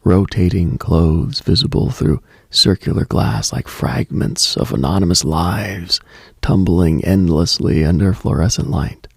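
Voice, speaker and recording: Slow, deep, gravelly man, late-night host. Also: no echo, clean studio sound. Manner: hushed, contemplative, brooding delivery. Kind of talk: scripted late-night mystical radio monologue.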